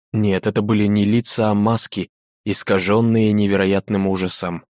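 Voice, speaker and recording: Low-voiced guy reading a dark old novel, grave and theatrical, dead dry sound. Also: dry recording. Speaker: audiobook narrator. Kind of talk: dramatic audiobook reading.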